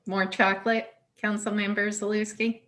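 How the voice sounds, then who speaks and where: A woman's voice: mid-range voice, little pitch movement, moderate pace, a bit bright. Woman chairing a video-call meeting. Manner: friendly, informal, with fillers. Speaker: council chair running a remote meeting.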